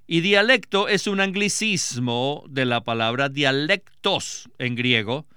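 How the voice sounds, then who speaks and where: A man giving a scripted Bible exposition as a teacher, reading in a measured, emphatic way. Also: fairly high pitch, bright, forceful tone, clean tone, no room sound, clean studio sound.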